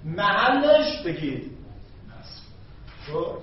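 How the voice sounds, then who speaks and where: A man's voice: high voice, very animated. A man teaching grammar in a classroom lecture, often stopping to check whether his students follow. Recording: echoey, dull classroom recording.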